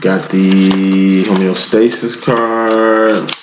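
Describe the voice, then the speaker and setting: A man speaks in a very deep, low voice with flat, monotone intonation, with audible room echo and noticeable background noise. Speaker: tarot reader and life coach. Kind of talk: tarot reading. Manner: casual, slangy.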